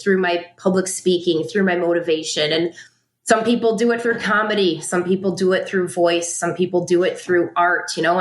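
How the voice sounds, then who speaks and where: A middle-aged woman, the guest and founder of an apparel brand, speaking earnestly and motivationally in a casual interview, with frequent fillers. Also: lowish voice. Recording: roomy echo.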